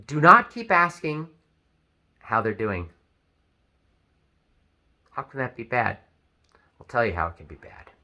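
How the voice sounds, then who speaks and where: An animated man talks to the camera, giving plain advice. His voice has a bright, forward edge. His pitch swings widely as he acts out what other people say. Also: a little slow, pauses often. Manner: animated, acts out quoted speech. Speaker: vlogger. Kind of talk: advice video talk.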